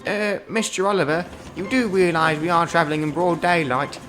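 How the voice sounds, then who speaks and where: A man doing Toad, a squeaky, fussy little brake van. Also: fairly even intonation, brisk, natural voice, poor audio. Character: small, polite, excitable brake van. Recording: background music.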